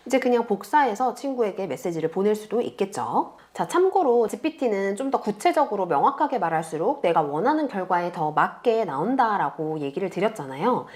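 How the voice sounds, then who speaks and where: Patient woman tutor, lively pitch. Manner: patient, explains slowly to beginners. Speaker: online tutor. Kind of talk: step-by-step screen tutorial.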